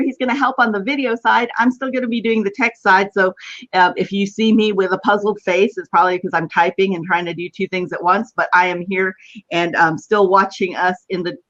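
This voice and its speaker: A woman with a West Texas twang and drawl hosts a casual online chat in a chatty, upbeat way. Her pitch is middling, and the sound is a dull, lo-fi web call. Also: steady tone, a little fast, a bit bright. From West Texas, United States. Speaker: host of an online video chat. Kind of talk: casual live-stream hosting.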